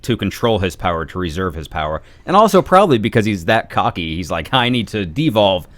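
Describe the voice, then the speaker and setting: A man with a slightly low voice, recorded very dry, chats as a podcast guest. He lays out his speculation in an easy, explanatory, conversational way. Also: big pitch swings, a little fast, fairly bright tone, dry recording. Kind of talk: casual chat, speculative fan discussion.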